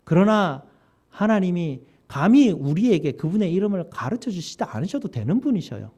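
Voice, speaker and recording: High, lively-voiced male preacher. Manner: emphatic, lively rhetorical questions. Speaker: pastor. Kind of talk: sermon.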